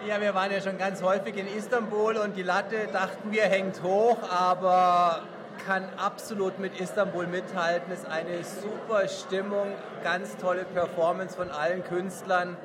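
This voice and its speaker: A man's voice: high voice, flat delivery, moderate pace, noisy background. A man from a theatre audience, chatting in an upbeat way. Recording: crowd chatter behind.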